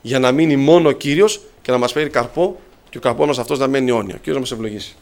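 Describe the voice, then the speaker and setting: Greek preacher telling a story. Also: male voice, mid-range voice, a little mellow. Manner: storytelling, addresses listeners as brothers. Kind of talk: sermon.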